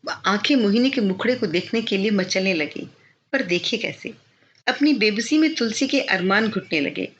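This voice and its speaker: A woman narrates a novel in a measured, expressive reading voice of middle height. The recording is somewhat dull and lo-fi, with a faint hiss beneath it. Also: mid-range voice. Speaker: audiobook narrator.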